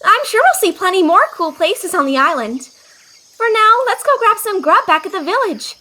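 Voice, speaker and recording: A woman's voice: extremely high pitch, big pitch swings, moderate pace, bright, forceful tone, exaggerated voice. A woman playing a perky, inquisitive young female sightseer in a fan audio drama, with a bubbly manner. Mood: cheerful.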